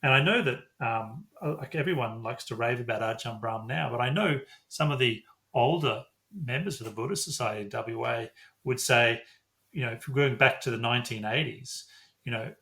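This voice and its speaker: A man's voice: mid-range voice, normal speed, vocal fry, fairly bright tone. A man hosting a podcast interview, conversational and affirming, laughing readily. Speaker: podcast host. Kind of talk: casual interview chat.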